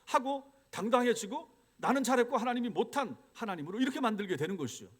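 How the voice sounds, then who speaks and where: A man's voice: very high voice, lively intonation, fast talker, fairly bright tone. A man, a pastor, preaching a sermon in a church and acting out complaining prayers. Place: church sanctuary.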